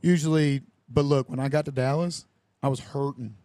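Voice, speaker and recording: A man's voice: mid-range voice, normal speed, no room sound. A young man, a podcast host telling a story in casual chat and acting out the people in it. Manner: animated storyteller who acts out quoted dialogue with lively voices.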